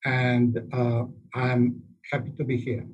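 A middle-aged man from Belgrade with a Serbian accent, introducing himself on a panel in a slow, halting way. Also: medium pitch, level tone, dull audio. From Belgrade, former Yugoslavia. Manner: slow, halting, searching for words. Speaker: university researcher, panelist.

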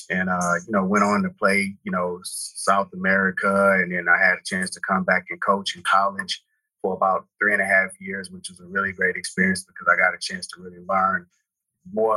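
A deep-voiced man from Houston, Texas, talks in an even, flat line. His tone is bright and a little husky, recorded dry and close. He rambles loosely and leans on many "you know" fillers. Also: no room sound, rough recording. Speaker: guest, real estate brokerage founder. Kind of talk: casual interview talk.

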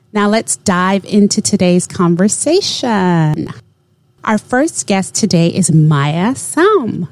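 A woman's voice: fairly high pitch, a little mellow, no room sound. A woman hosting a podcast interview, opening with an upbeat, scripted welcome and asking questions. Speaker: podcast host.

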